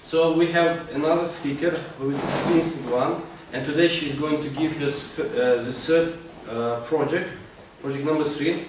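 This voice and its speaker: A man's voice: fairly high pitch, steady tone, normal speed, few pauses. Man hosting from afar in an echoey room. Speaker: meeting host. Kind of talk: introducing speakers at a club meeting. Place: meeting room, recorded from a distance. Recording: very echoey room, distant mic, noisy, clicks.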